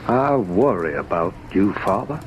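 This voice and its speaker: A man's voice: low voice, animated, unhurried. An actor playing an earnest, anxious young man in an old-time radio drama, speaking with dramatic, insistent intensity. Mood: concerned. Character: earnest, anxious, probing grown son. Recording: dull, noisy old radio recording.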